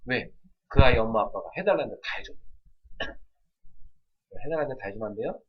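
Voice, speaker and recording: A male pastor giving a sermon on parenting, asking the congregation questions and quietly acting out parents talking to children. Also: mid-range voice, expressive, fairly quick, slightly rough, dull audio. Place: church.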